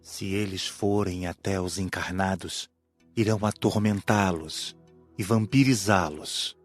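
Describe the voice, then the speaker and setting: A man acting a calm male spirit instructor in scripted audiobook dialogue. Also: low-pitched, unhurried, soft background music. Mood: grave, explanatory.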